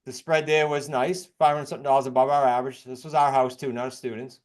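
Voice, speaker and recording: A man from New England with an American accent, presenting case studies as an informal, fast-talking real estate coach. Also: mid-range voice, little pitch movement. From New England, United States. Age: middle-aged or older.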